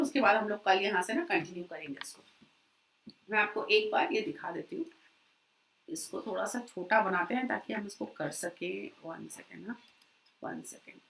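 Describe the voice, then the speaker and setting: Echoey bright-voiced Indian woman teacher. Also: mid-range voice, vocal fry. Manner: mixes Hindi and English, checks in with "ठीक है?"; stretches key words slowly for emphasis. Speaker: commerce exam teacher. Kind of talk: live online revision lecture. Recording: echoey, from a distance.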